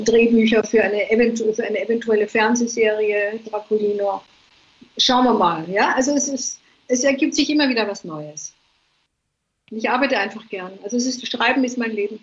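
An older woman from Vienna, a guest author chatting in a remote interview and filling her thoughts with ums. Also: mid-range voice. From Vienna, Austria. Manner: chatty, thinks aloud with many fillers. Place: at home on a holiday island, remote. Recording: dull lo-fi remote line.

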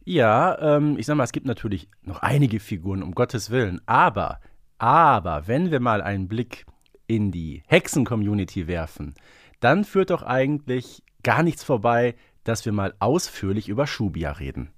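A man's voice: fairly low pitch, sing-song, moderate pace, dry recording, studio quality. A man chatting casually and knowledgeably as a podcast co-host. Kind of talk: casual expert chat.

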